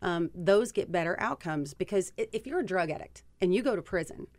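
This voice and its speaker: A woman's voice: lowish voice, animated, a little fast, darkish tone, no echo. A middle-aged woman from Kentucky with a Kentucky accent, earnestly explaining policy figures as a guest on a talk radio show.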